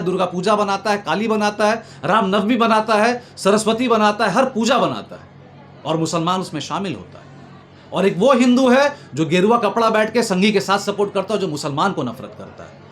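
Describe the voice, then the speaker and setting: A man's voice: sits high, animated, moderate pace, a bit bright. A man making an impassioned political argument, emphatic and repetitive, building his points in oratorical lists. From Bengal, India. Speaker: political commentator being interviewed. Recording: noticeable background noise.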